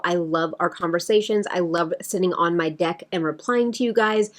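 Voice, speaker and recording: A woman talking casually to her viewers as a beauty vlogger, in a chatty, rambling way that addresses them directly. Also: medium pitch. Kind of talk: casual chatty vlog to camera.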